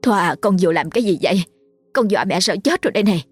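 A woman's voice: on the low side, moderate pace, breathy edge, no room sound, faint music behind. A woman voicing a widowed mother in a ghost story, grieving and frightened yet trying to soothe her child, with a tearful, pleading manner. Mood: alarmed.

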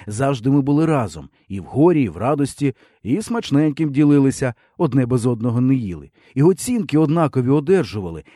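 A man reading a first-person novel aloud with expressive storytelling. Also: medium pitch, no echo, studio quality. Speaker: audiobook reader. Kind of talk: audiobook narration.

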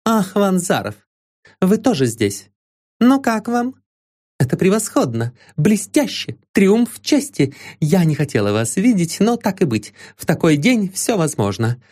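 A man voicing an agitated young woman, nervous and excitable, speaking in high rising exclamations. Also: unhurried, exaggerated voice. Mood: excited.

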